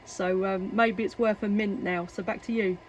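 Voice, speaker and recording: A woman's voice: mid-range voice, steady tone, moderate pace. A woman with an English accent chatting casually as a CB radio operator, in a hesitant, chatty way. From England. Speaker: CB radio operator and video maker. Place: workshop at home. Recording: noisy, radio static and hiss.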